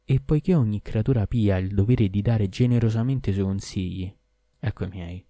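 A man's voice: on the low side, moderate pace, warm tone, dry recording, clean studio sound, lightly acted. Man doing a persuasive scheming donkey. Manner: urgent, persuasive. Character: scheming talkative male donkey. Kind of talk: audiobook character voice.

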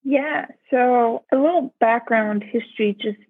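A young woman from South Africa, a podcast guest, telling her life story in a relaxed, unhurried way. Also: a little high, husky, no echo. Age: young adult. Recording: tinny, dry call-in line.

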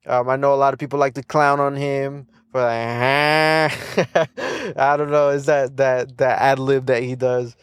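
A man's voice: medium pitch, fairly even intonation, unhurried, smooth, no room sound, studio quality. A young man hosting a casual solo podcast, loose and rambling with plenty of fillers, restarts and small laughs. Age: young adult. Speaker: podcast host.

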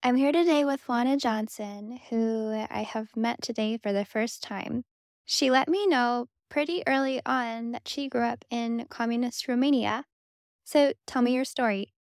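A woman's voice: a little high, normal speed, no room sound. A woman interviewer asking curious, casual follow-up questions. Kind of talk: conversational interview.

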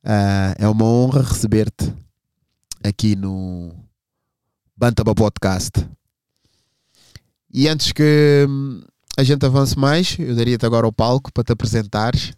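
A man in his forties with a European Portuguese accent, hosting a podcast over a remote call in a friendly, unhurried way, often repeating his words. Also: mid-range voice, a little mellow, clean tone, no echo, studio quality. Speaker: podcast host. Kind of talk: casual interview chat. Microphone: remote call microphone.

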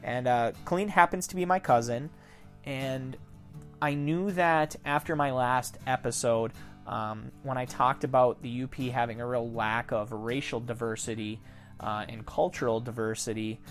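A man hosting a casual interview podcast, from Michigan's Upper Peninsula, talking in a relaxed, rambling way full of restarts. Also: medium pitch, normal speed, soft background music. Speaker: podcast host.

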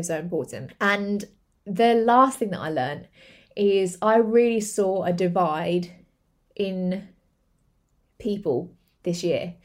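A woman hosts a podcast, giving a motivational monologue about running a business. Her voice is mellow and warm, at a middle pitch. She talks earnestly and chattily, with lots of fillers and repeated words. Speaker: podcast host, entrepreneur.

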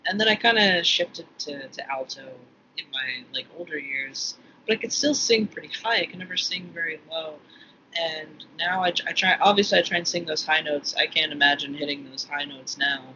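Bright and forceful, this podcast co-host's slightly high voice moves at a moderate pace. He rambles casually with many restarts and laughs readily, recorded in dull lo-fi sound with a faint hum of the room.

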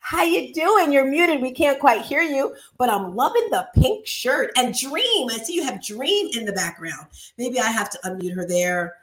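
A woman hosting a motivational online talk show in a chatty, animated, exclamatory and playful way. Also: sits high, moderate pace, few pauses, rough recording. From Caribbean.

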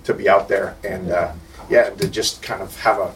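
Middle-aged man from Italy, low voice, excited rambling talk, distant mic, light noise behind. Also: normal speed. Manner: enthusiastic, rambling with many fillers. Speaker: composer on panel. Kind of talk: convention panel talk.

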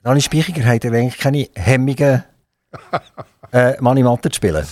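A man's voice: medium pitch, normal speed, a little mellow, no room sound, clean studio sound. A man with a Swiss German accent hosting an interview in a conversational way, searching for words as he goes. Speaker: radio interviewer.

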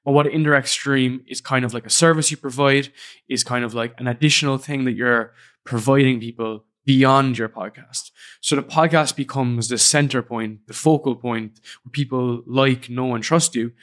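Earnest young Irish podcaster. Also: male voice, mid-range voice, normal speed, a bit bright. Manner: casual, earnest, reflective. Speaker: podcast host. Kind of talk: solo podcast monologue. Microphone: studio podcast microphone.

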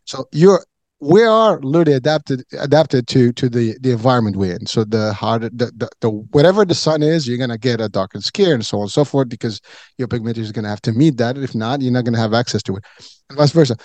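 A man's voice: mid-range voice, animated, fast talker, a little mellow, dry recording. A middle-aged man from Morocco chatting as a podcast guest, rambling with many fillers and restarts. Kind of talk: casual chat.

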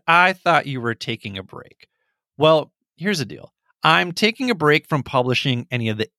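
Calm middle-aged man guiding a meditation. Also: mid-range voice, dry recording, studio quality. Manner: calm, gentle, instructive. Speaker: podcast host and meditation guide. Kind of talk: guided meditation.

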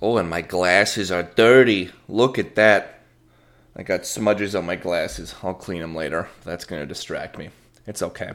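A man's voice: low-pitched, unhurried, a bit bright, soft background music. A young adult man hosting a podcast, telling a rambling, self-deprecating story and swearing casually. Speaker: podcast host.

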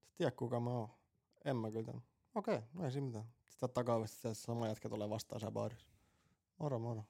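A man's voice: mid-range voice, creaky, dark tone, husky. A man co-hosting a casual podcast, telling rambling stories full of swearing and laughing at his own jokes. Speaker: podcast co-host. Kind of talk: casual crude banter.

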